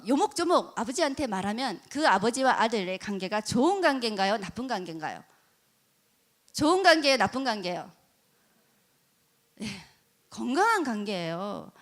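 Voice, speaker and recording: Brief: woman preacher at an evening service, lively swooping delivery, high voice. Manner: animated storytelling, acting out scenes. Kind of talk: sermon. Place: church service.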